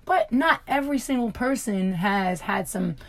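A woman's voice: medium pitch, lively intonation, moderate pace, vocal fry. A woman co-hosting a casual, candid conversation, who explains things patiently and laughs easily. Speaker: podcast co-host. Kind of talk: frank casual chat.

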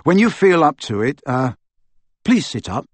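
A man voicing a young wizard, gently coaxing. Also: on the high side, big pitch swings, unhurried, no room sound, pitched above the performer's own voice. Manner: gentle, hesitant pleading. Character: young male wizard, kind but firm.

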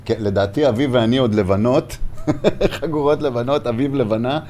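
A man's voice: mid-range voice, dark tone, slight background noise. A man hosting a casual podcast interview, asking probing questions conversationally with fillers. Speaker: podcast host.

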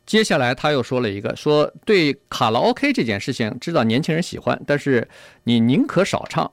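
A man co-hosting a radio talk show, calmly passing on points from an article and agreeing with his partner. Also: medium pitch, fairly quick, dry recording, studio quality. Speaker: radio co-host. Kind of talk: casual radio discussion.

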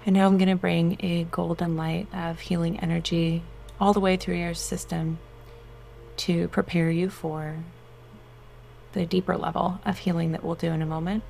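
A woman guides a meditation in a low, creaky voice. Her delivery is slow, soothing and gently instructing, over faint background noise. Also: level tone.

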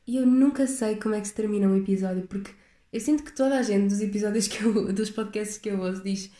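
A young woman with a European Portuguese accent talks through her solo podcast in a loose, rambling way, often circling back and restarting her thoughts. Her voice is mellow and soft-edged, and the room around her sounds echoey. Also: mid-range voice, steady tone, quick pace. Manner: rambling, reflective, chatty with restarts. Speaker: podcast host. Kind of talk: casual solo podcast chat.

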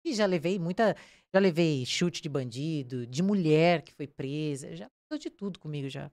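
A woman's voice: deep voice, moderate pace, dry recording. A woman with a Brazilian accent, a crime reporter telling her story in a casual interview and acting out what people said. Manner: animated, acts out quoted dialogue.

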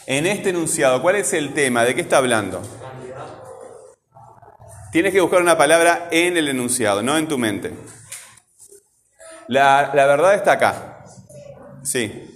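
A man teaching a class, patiently repeating words slowly and questioning his students. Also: a little high, lively intonation, a bit bright. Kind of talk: classroom lesson. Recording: echoey classroom. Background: classroom ambience.

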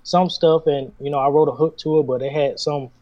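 A man's voice: fairly high pitch, fairly even intonation, brisk, mellow, dull audio. A male singer talking casually as a guest, laid-back and chatty, often laughing. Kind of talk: casual conversation.

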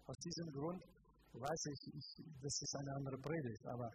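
A man's voice: medium pitch, moderate pace. Emphatic male preacher, noisy live sermon. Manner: emphatic, asks the congregation direct questions. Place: church service before a congregation.

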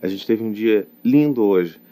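A man's voice: on the low side, a little slow, warm tone. A man with a Brazilian Portuguese accent, a father talking to his camera in a personal, confessional vlog, reflective and hesitant, often adding tag questions. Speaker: father of young children. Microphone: talking to camera, self-recorded.

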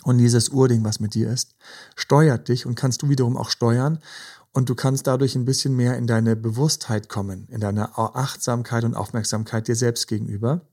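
A man hosting a podcast, gently advising couples in a casual chat, with many fillers. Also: medium pitch, steady tone, moderate pace, breathy edge. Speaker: podcast host.

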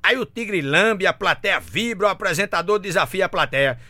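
Man, folksy joke teller, high bright voice, dry close sound. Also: animated, moderate pace, no echo. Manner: chatty, folksy, laughs at own punchlines. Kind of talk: telling jokes.

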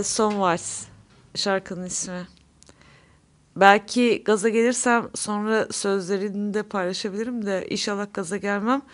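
A woman hosting a music program, chatting casually between songs and laughing often. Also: mid-range voice. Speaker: radio show host. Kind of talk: casual music show chat.

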